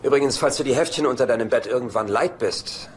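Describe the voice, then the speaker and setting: A man's voice: mid-range voice, fast talker, close to an everyday voice. An actor playing a cynical, teasing middle-aged womanizer in a dubbed sitcom, with a dry, sarcastic delivery. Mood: dry mockery. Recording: noisy TV soundtrack rip.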